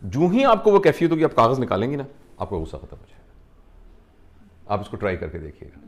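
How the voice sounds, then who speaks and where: Calm man explaining with lively pitch. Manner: calm, patient, explains with simple examples. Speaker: doctor counseling a patient. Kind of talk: patient counseling talk.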